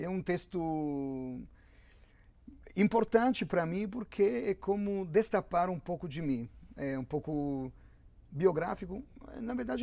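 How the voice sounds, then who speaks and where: Italian-accented man with a gravelly voice. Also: fairly high pitch, mellow, no echo. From Italy. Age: 50s. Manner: musing, with frequent restarts and fillers. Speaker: guest author. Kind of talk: reflective interview talk.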